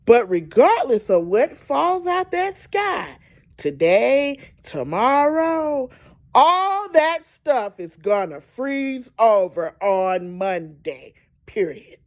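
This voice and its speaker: A woman's voice: on the high side, big pitch swings, takes it slowly. A woman giving a casual weather update, exasperated and emphatic, repeating words for stress. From Georgia, US. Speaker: amateur weather commentator.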